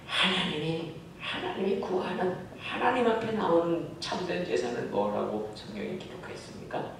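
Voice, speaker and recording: A man preaching a sermon to his congregation, often asking them questions. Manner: asks the congregation questions, animated. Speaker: pastor. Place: church sanctuary. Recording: very echoey hall, mic far off, faint rumble.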